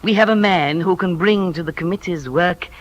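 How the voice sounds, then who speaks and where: An actor playing a sly, smooth male informer in a 1950s radio drama, suave and insinuating. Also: sits high, normal speed, lo-fi sound, natural voice. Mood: silky.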